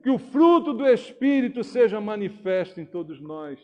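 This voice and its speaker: A man preaching a sermon in Brazilian Portuguese, emphatic, with sharp rises and falls for stress. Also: high-pitched, big pitch swings, normal speed, muffled recording. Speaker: pastor.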